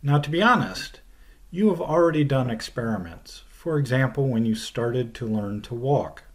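A middle-aged man teaching a recorded science lecture, explaining slowly and deliberately, with phrase ends that drop off, filmed at a desk by a webcam in a small room with a plain white wall. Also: medium pitch, animated.

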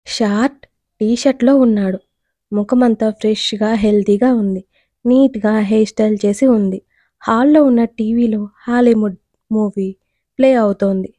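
A young woman narrating a first-person audio story in an expressive, dramatic way. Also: on the high side, no room sound.

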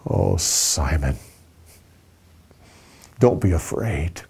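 Hushed gentle jesus voiced by an older storyteller guy, low and soft, slow, lots of rise and fall. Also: expressive, slightly rough, exaggerated voice. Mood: tender. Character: gentle, calm male Jesus, adult.

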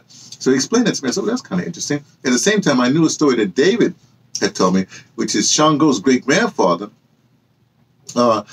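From a small indoor room with bookshelves and hanging clothes, a memoir-channel host and audio dramatist in his sixties tells his story to camera in a husky, medium-pitched voice. His talk is casual and digressive, often correcting itself. Poor audio.

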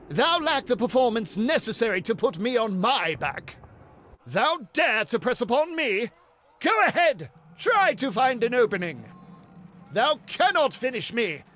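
A voice actor playing a flamboyant medieval knight in a video game, speaking in theatrical mock old English full of double meanings. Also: male voice, a bit bright, heavily acted. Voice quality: high, theatrical mock-Elizabethan delivery.

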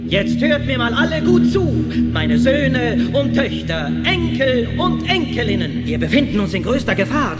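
An actor playing an elderly woodworm patriarch giving solemn speeches in a German children's audio drama. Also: male voice, sits high. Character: elderly woodworm patriarch addressing his clan. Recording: long hollow reverb.

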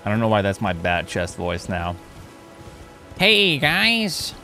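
A man putting on a goofy, high-pitched hype-man voice with drawn-out words. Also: huge pitch swings, over music, full character voice. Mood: hyped.

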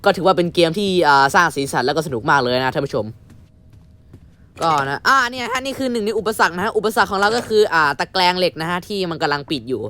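A young man commentating a horror game playthrough, switching between a mock-polite announcer tone and crude, shouty outbursts. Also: high-pitched, big pitch swings, quick pace, a little hiss or hum. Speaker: gamer commentating his playthrough. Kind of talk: casual gameplay commentary.

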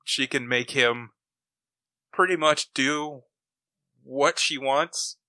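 A man co-hosting a podcast, chatting casually in an animated, opinionated way. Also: medium pitch, slow pace, dry recording. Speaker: podcast co-host. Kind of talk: casual chat about comic books and old radio shows.

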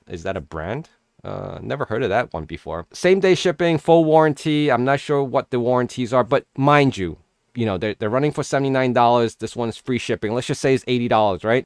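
A middle-aged man talks casually and rambles, dropping plenty of "you know" fillers as he goes. His voice is at an ordinary pitch and sounds dry and close, picked up by a headset mic in a small room at home. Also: no echo. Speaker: host. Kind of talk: casual crypto farming talk over screen share.

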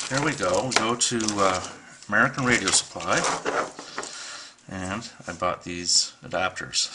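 A middle-aged radio hobbyist sits at a table in his home radio room and casually walks through his gear for a how-to video, recorded on a desk camera mic. His voice sits low, with lots of ums and restarts. Heavy background noise comes through.

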